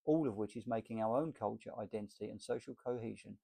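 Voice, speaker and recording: Gravelly, husky man reading emphatically. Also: on the low side, quick pace, dark tone. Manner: emphatic, list-like delivery. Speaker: reader. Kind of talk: reading a political essay aloud.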